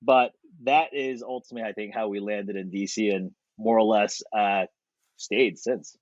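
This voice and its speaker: A man in his thirties from South Korea, a podcast guest talking thoughtfully and with energy, pausing on fillers. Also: fairly low pitch, dry recording. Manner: thoughtful, animated, with frequent fillers and laughs. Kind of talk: conversational interview. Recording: dry, slightly dull podcast audio.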